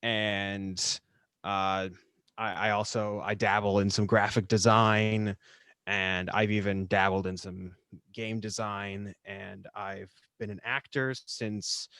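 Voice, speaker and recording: A man talking casually as an interview guest, halting and often repeating his words as he searches for phrasing. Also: fairly low pitch, little pitch movement, fairly bright tone, clean tone, dry recording. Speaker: podcast guest, writer and actor.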